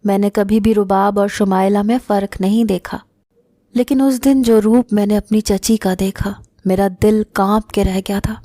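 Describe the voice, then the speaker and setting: A woman reads a first-person story aloud in a steady, solemn way. Her voice is dark and mellow. The recording is close and dry, with no room sound. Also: mid-range voice, no echo. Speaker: story narrator. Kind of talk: scripted first-person narration.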